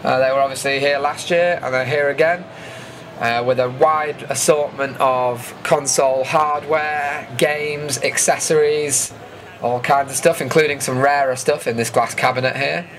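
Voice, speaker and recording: A man's voice: mid-range voice, fairly even intonation, moderate pace, a bit bright. A man with a British accent giving a chatty, informal voice-over commentary as a vlogger recapping an event. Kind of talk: casual voice-over commentary on footage.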